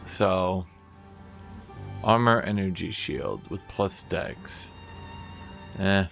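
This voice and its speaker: A man's voice: low voice, animated, extremely slow, gravelly, a bit bright, soft background music. A man streaming a game, chatting casually and rambling to his viewers. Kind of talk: casual chat while gaming.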